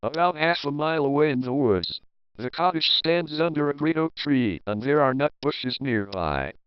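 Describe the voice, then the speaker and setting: A man's voice: on the high side, expressive, moderate pace, clear, resonant tone, dry recording, muffled recording, close to an everyday voice. A man voicing a sweet, trusting little storybook girl. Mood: polite, trusting. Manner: polite, innocent. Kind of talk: storybook character voice.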